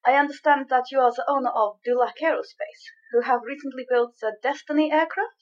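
Sinister female spy in a radio drama, clipped and haughty, slightly high voice, played by a woman. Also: fairly quick, highs cut off. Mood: smooth, scheming. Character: scheming female German spy posing as journalist. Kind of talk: audio drama acting.

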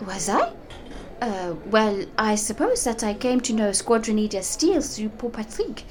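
A woman's voice: a little high, very animated, moderate pace, crowd noise. A woman in her twenties playing a hesitant young French company heiress with a French accent, in an audio drama. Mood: alarmed. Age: 20s. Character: young French woman heading aircraft firm.

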